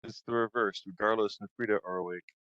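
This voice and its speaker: Man, game master, relaxed, ums, low voice. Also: fairly quick, muffled recording, a little hiss or hum. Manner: relaxed, full of ums, laughs often. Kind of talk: running a tabletop game.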